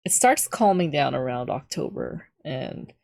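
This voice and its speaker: A man's voice: medium pitch, big pitch swings, a little slow, creaky, darkish tone, no echo, studio quality. A young trans man streaming a game from home, chatting casually with lots of fillers and wry asides. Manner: rambling, many fillers, wry. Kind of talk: casual gameplay chat.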